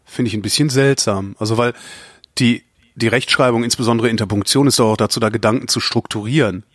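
A man's voice: mid-range voice, steady tone, fast talker, no echo, clean studio sound. A man hosting a podcast, chatting casually and bluntly, reading out listener questions. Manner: blunt, swears casually, reads listener mail aloud. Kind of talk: casual chat.

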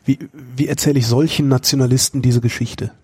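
A man from the Rhineland acting as interviewer, putting probing questions to his guest and nodding along with short agreements. His voice has a slightly husky, breathy texture. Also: medium pitch, fairly even intonation, brisk, darkish tone. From Rhineland, Germany. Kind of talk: conversational interview.

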